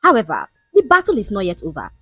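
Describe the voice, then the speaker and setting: A woman's voice: mid-range voice, huge pitch swings, fast talker, a bit bright, breathy edge, no room sound, faint music behind, exaggerated voice. Woman doing a greedy, preachy woman pastor. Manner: preachy, demanding.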